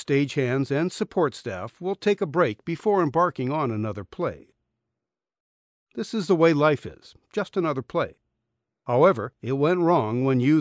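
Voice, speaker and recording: Male narrator, middle-aged, slightly high register, earnest deliberate audiobook read, dry booth recording. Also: dry recording. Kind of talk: scripted audiobook narration of a spiritual essay. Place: small dim recording booth. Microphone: studio condenser microphone, close.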